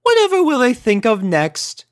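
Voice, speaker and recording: A woman's voice: on the high side, wildly swooping pitch, normal speed, dry recording, clean studio sound, voice pushed up. A woman voicing a refined, fashion-loving unicorn mare and elder sister in a cartoon story, speaking in a prim, composed, formal way. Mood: sympathetic.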